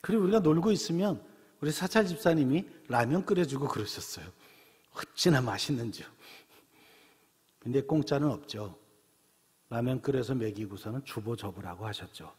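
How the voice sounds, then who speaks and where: A man's voice: mid-range voice, expressive, normal speed, pauses often, a little mellow, breathy edge. A male pastor preaching a sermon in a church, telling stories in a conversational way. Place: church sanctuary. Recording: church hall reverb.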